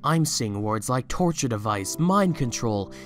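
A man's voice: mid-range voice, expressive, measured pace, lightly acted. Guy doing a proud young ceo for an audio drama, clipped and controlled, music underneath. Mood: disgusted. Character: guarded young male CEO, terse and proud.

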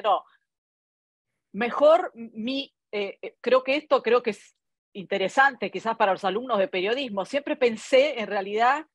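A woman's voice: fairly high pitch, no echo. Hesitant Argentine-accented woman on a video call. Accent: Argentine Spanish. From born in Italy, raised in Argentina. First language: Italian. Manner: thoughtful, many hesitations and "eh" fillers. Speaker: foreign correspondent guest. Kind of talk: relaxed conversational interview. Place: home study with bookshelves, indoors. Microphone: laptop webcam on a video call.

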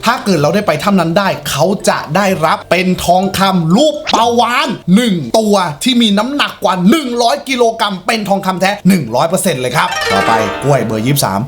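A young man hosts a casual chat and spins an improvised story, his high voice sing-song and fast with hardly any pauses over soft background music. Playful throughout, he teases and swears at his friends and laughs often.

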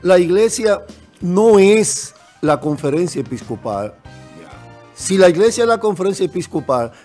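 Earnest Dominican priest, higher voice. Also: male voice, expressive, measured pace, a little mellow, soft background music. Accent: Dominican Spanish. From Dominican Republic. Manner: earnest, fatherly, gestures emphatically. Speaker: Catholic priest guest. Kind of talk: TV panel discussion. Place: TV studio. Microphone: desk microphone on stand.

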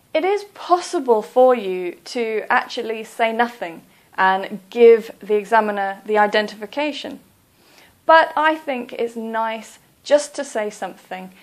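A woman teaching an English speaking-exam lesson in a careful, deliberate, instructive way. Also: a little high. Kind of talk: slow, clear lesson narration.

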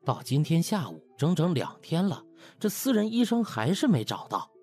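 A man narrating a comic novel in an expressive, colloquial storytelling style. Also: fairly high pitch, moderate pace, husky, faint music behind. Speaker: audiobook narrator.

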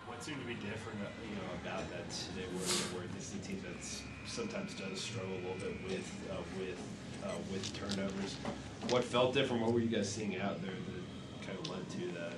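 A man's voice: low voice, a little fast. A male reporter asking long, rambling questions with many restarts at a press conference. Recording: echoey, noisy room.

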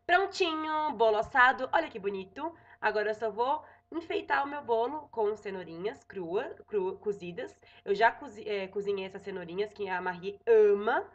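A woman's voice: medium pitch, lively intonation, moderate pace, few pauses, muffled recording. A young Brazilian woman in her home kitchen giving a casual cooking tutorial, chatting along and checking in with her viewers. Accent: Brazilian Portuguese. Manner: chatty, frequent "tá?" check-ins and self-corrections. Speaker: cooking vlogger.

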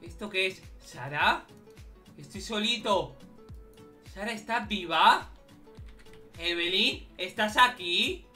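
Male gamer, bright and punchy, frantic and shouty, lively pitch. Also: slow pace, long pauses, faint music behind. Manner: frantic, shouting and calling out often. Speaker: Roblox gaming YouTuber. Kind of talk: excitable let's-play commentary.

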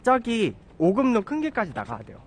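Strolling a residential street, this man in his thirties livestreams from a phone at arm's length, chatting loosely and poking fun at himself. He talks a little fast in a high voice that swings hugely in pitch, with a touch of hiss or hum.

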